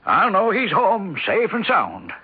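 High-voiced, helpful townsman on telephone. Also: wildly swooping pitch, slow, phone-quality sound, full character voice. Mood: reassuring. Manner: easygoing, reassuring. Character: helpful, folksy small-town man, steady and reassuring. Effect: telephone filter. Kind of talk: 1970s radio drama acting. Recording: thin, noisy telephone-filtered radio broadcast.

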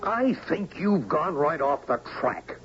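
A man's voice: on the high side, very animated, a little hiss or hum. An actor playing a stern police officer who confronts his brother in an old-time radio drama. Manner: stern, measured, reproachful. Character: stern cop brother, torn by conscience. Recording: dull lo-fi radio recording.

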